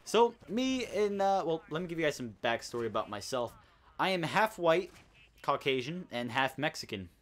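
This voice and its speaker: A chatty teenage boy hosting a casual gaming commentary chat tells a rambling, indignant story. His voice sits on the high side and is very animated, delivered at normal speed.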